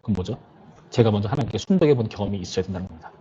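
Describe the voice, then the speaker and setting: A man's voice: on the low side, animated, racing, mellow, highs cut off. A male pastor preaching to a youth service in a conversational way, often putting questions to his listeners.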